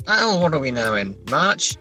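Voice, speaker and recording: Male English author, middle-aged, bright edge to the voice, hesitant casual interviewee, faint music behind. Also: fairly high pitch, sing-song, normal speed. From England. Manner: hesitant, thoughtful, understated.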